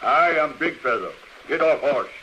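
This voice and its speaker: An actor playing a stern, suspicious Old West tribal leader who speaks in terse, commanding broken English, in old-time radio style. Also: male voice, fairly high pitch, animated, normal speed, dull audio, natural voice. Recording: noisy old radio recording.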